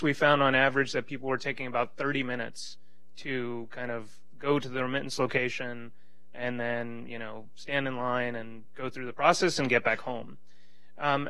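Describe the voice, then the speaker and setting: A man's voice: mid-range voice, pushed and bright, no echo, low-quality recording. A man speaking as a panelist, giving conversational remarks and often restarting his phrases.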